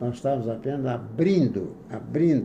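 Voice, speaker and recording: A man's somewhat breathy, medium-pitched voice, dark and mellow in tone, with lively intonation and audible room echo. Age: 90s. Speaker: lawyer and former constitutional rapporteur. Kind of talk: interview. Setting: office. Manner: halting, with repeated words.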